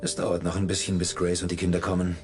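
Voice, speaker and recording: An actor playing a calm adult father in a video game, thinking aloud in a matter-of-fact way. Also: low voice, fast talker, natural voice. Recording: game audio with faint music.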